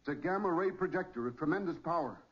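A doomed amateur inventor, speaks with grave urgency in 1940s radio style. His voice is slightly high and husky, and the old recording is dull. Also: expressive, fast talker. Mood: grave, urgent.

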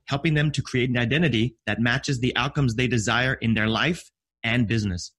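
Relaxed Canadian man hosting a podcast. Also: medium pitch. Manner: relaxed, many ums and uhs. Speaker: podcast host. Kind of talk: podcast interview.

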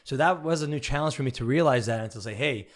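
A man of about thirty who hosts a casual interview podcast. He talks fast and piles up fillers and restarts as he works toward his point. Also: mid-range voice. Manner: rambling, with many fillers and restarts. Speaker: podcast host.

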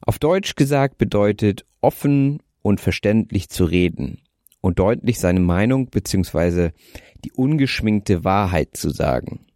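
Deep-voiced young man, light north German accent. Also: animated, dark tone, no room sound, studio quality. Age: 20s. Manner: careful, deliberate delivery aiming for standard German. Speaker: podcast host. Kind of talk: reading a prepared script. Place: in bed under a blanket. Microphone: handheld microphone.

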